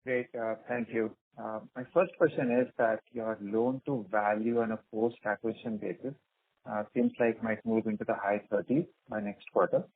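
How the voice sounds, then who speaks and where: A man with a husky voice, asking questions as a financial analyst on a conference call. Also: lowish voice, steady tone, normal speed, no room sound. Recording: dry narrow phone line.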